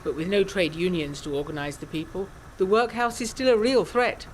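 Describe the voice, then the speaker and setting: A woman's voice: on the low side, fairly quick, slight background noise, natural voice, rough recording. A woman voicing a gossipy, plain-spoken stable man with a knowing manner in a gothic audio drama. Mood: disparaging.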